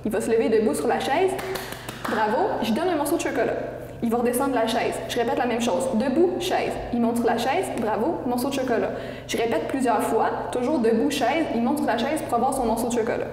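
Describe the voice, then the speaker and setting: A woman with a Québécois accent explains dog training patiently, using everyday examples. Her voice sits a little high. The room echoes with a long reverb, and faint noise sits underneath. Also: a little fast, darkish tone. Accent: Québécois French. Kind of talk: explaining training methods in an interview.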